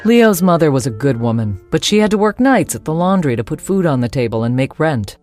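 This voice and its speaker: A woman's voice: deep voice, sing-song, a little fast, music in the background. A woman reading a first-person ghost story as its narrator.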